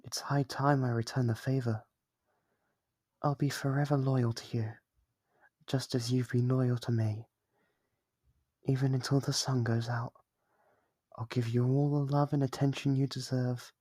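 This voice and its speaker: A man playing a lonely, devoted and obsessive demon in an intimate ASMR roleplay, coaxing and tender with hesitant pauses. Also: medium pitch, level tone, warm tone, no room sound, natural voice.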